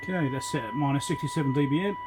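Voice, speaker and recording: An electronics repair presenter talking casually as he works at his home workbench, thinking aloud with frequent ums and pauses. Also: a little high, music in the background. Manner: thinks aloud with many ums, counts into the mic.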